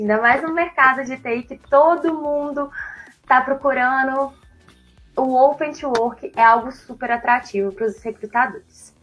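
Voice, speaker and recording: A woman's voice: high voice, low-quality recording. A Brazilian woman speaking as a recruiter, giving an informal, chatty explanation straight to live-stream viewers. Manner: chatty, addresses viewers directly. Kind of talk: informal explanatory presentation with career tips.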